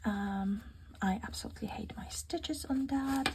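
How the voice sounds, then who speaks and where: Noticeable background noise is present. The talking goes at a fairly slow pace. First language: Polish. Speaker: craft vlogger. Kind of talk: casual chat. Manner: halting.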